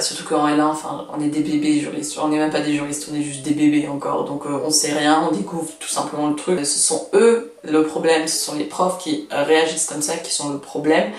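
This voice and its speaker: A woman's voice: low-pitched, distant mic. Young woman. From Russia. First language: Russian. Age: 20s. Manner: chatty, frank, lots of fillers. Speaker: vlogger. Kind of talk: casual advice vlog. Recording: echoey room, voice from off mic.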